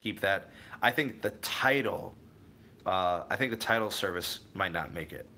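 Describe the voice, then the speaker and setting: A man's voice: low-pitched, lively intonation, moderate pace, bright, forceful tone. A young man from the Cleveland area casually hosting a tech livestream, answering viewers by name and often backtracking mid-thought. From Cleveland area, USA. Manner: rambling, self-correcting, answers viewers by name. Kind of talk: casual live chat reading viewer comments.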